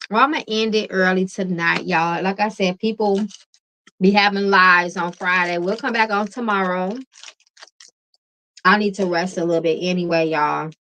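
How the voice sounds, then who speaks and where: Bright-voiced woman chatting on a livestream. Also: on the low side, normal speed, rough recording. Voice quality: calming voice. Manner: relaxed, chatty, laughs often, addresses viewers as y'all. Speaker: tarot reader and livestream host. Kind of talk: casual livestream chat with viewers.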